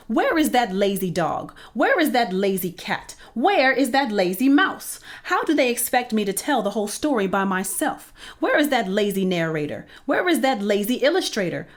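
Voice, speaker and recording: A woman voicing a fussy little red hen who complains in a shrill, indignant way.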